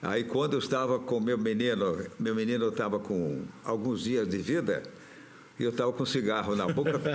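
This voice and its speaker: A man at medium pitch speaks at a moderate pace with ordinary pitch variation and very even loudness. Audible room echo surrounds his voice. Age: 90s. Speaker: veteran radio broadcaster. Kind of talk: interview, reminiscing.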